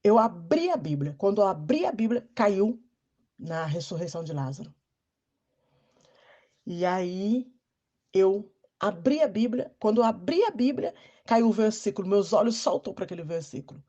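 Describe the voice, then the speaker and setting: A Brazilian woman telling an emotional personal testimony in an earnest, halting way with frequent restarts. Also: medium pitch, very animated, warm tone, dull audio. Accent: Brazilian Portuguese. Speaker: testimony speaker.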